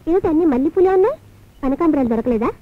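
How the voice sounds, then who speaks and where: A woman's voice: sits high, expressive, racing, dry recording. A young woman acting as a playful, teasing young mistress in a film scene. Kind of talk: Telugu film dialogue. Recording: tinny lo-fi film soundtrack, music.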